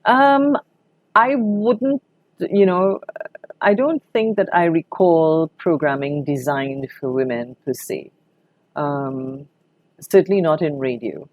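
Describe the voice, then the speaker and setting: A woman's voice: low voice, slow pace, a little mellow, no room sound. An older woman with a Trinidadian accent reminiscing conversationally in an interview, telling anecdotes expressively as a veteran broadcaster.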